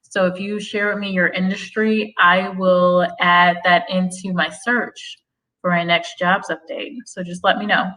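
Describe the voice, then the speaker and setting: A woman's voice: on the low side, little pitch movement, unhurried, sharp tone, distant mic, poor audio. A woman hosting a casual livestream, reading viewer comments aloud, chatty and prone to tangents, with frequent laughs. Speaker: host of a career-advice livestream.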